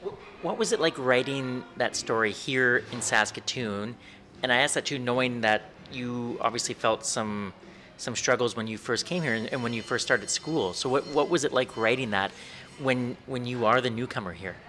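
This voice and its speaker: A man's voice: medium pitch, normal speed, sharp tone, slight background noise. A man hosting an interview, asking questions with frequent stumbling restarts. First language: English. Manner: stumbling repeated starts. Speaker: interviewer host. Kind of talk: conversational interview.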